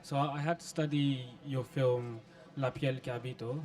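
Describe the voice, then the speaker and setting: A man in the audience asking a measured, slightly hesitant question at a live interview. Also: medium pitch, fairly even intonation, darkish tone.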